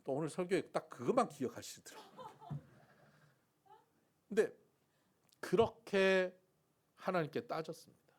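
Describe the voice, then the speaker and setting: A male pastor preaching a sermon, swinging between loud rhetorical questions and hushed whispers, and telling stories about himself with candid self-mockery. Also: a little high, very animated, quick pace, a little hiss or hum. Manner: candid, self-mocking storytelling.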